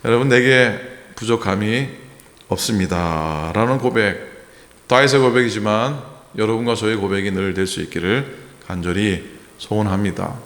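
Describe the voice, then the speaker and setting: A pastor from the Gyeongsang region, a man preaching a sermon earnestly, rising in emphasis and pausing with hesitant fillers. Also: fairly low pitch, fairly bright tone. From Gyeongsang, South Korea. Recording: echoey church hall.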